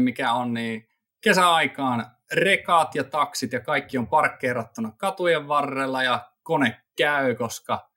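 Rambling relaxed man chatting. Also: mid-range voice. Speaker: podcast co-host living in Japan. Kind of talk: casual chat.

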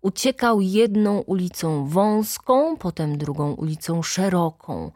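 Slow, dry-voiced woman reading a storybook. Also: lowish voice, no echo. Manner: slow, expressive, animated quoting.

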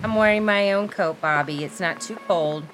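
Audio drama: middle-aged mom actress, naturalistic, mid pitch, heavy outdoor wind noise. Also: female voice, moderate pace, lightly acted. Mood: dryly teasing. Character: middle-aged wife and mother, dryly teasing, easily alarmed.

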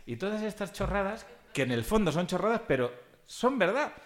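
A man from Catalonia, speaking as a panelist in a conversational academic discussion. He is lively and discursive, often tags his points with questions and chuckles. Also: mid-range voice. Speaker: panelist at a book presentation.

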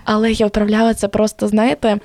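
Chatty teenage girl, mellow dry voice. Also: mid-range voice, fast talker, no room sound. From Ukraine. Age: teens. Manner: chatty, lively storytelling with many fillers. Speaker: podcast guest. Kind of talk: casual podcast interview.

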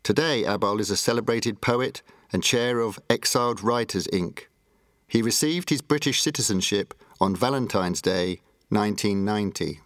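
A man's voice: lowish voice, normal speed, fairly bright tone, no echo, studio quality. A man reading scripted narration as an announcer for an audio series.

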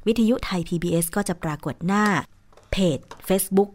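A woman's voice: on the low side, fast talker, a little mellow. A woman hosting a radio program, talking to her listeners in a chatty, conversational way. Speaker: radio host. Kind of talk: casual radio talk.

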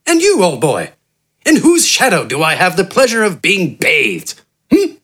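A man voicing a refined, unflappable gentleman doctor who speaks in an eloquent, relaxed, friendly and rapid flow of flowery words. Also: sits high, husky, pitched above the performer's own voice, heavily acted. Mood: genteel.

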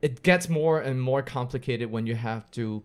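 Chatty man from Hong Kong. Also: mid-range voice. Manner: quick, chatty, greets viewers. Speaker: podcast guest and livestreamer. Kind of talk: casual podcast conversation.

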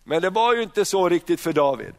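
High-voiced man preaching with stumbling restarts. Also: very animated, gravelly. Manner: frequent restarts and repeated words, rhetorical questions to the congregation. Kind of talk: sermon.

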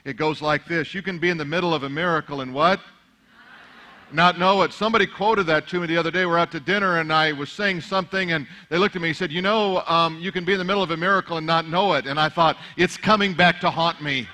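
A man's voice: a little high, steady tone, fast, pushed and bright. A middle-aged man whose first language is Arabic, preaching a sermon that moves from easy conversational remarks to fervent, rising exhortation. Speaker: pastor.

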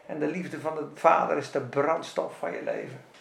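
A male pastor preaching a sermon in a lively, colloquial way. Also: a little high, normal speed, gravelly, roomy sound.

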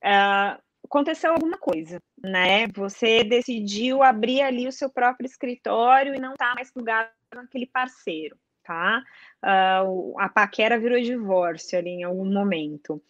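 A woman's voice: on the high side, normal speed, no echo, lo-fi sound. A woman explaining a process step by step in casual chat, often checking in with "tá?" and posing questions to herself. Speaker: guest explaining investment advisor certification.

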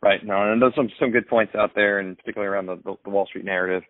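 Quick, low, gravelly male podcast host. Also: fairly even intonation, no room sound. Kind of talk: conversational podcast hosting. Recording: thin phone-like line.

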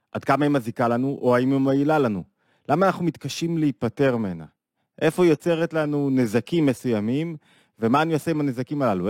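A man's voice: mid-range voice, darkish tone, no room sound, clean studio sound. A man giving a video talk on Jewish psychology, earnest and full of rhetorical questions that build to emphatic points.

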